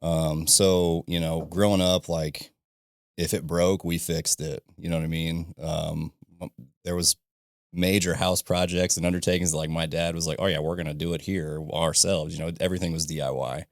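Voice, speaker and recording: A man in his thirties with a low, gravelly voice, talking easily on a podcast and often tossing in "you know what I mean". His voice sounds close and dry, with no room echo, as if recorded in a small studio. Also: level tone, normal speed. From southern Illinois, USA. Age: 30s. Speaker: podcast guest, ironworker and business owner. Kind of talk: casual conversation.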